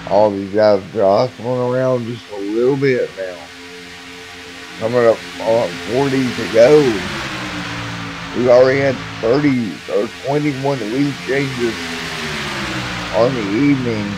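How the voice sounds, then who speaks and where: A man calls a live race into his mic, running through positions and laps in a steady play-by-play. His voice is wearing thin and hoarse. Music plays behind him. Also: medium pitch, takes it slowly, low-quality recording. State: losing his voice. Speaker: sim racing commentator.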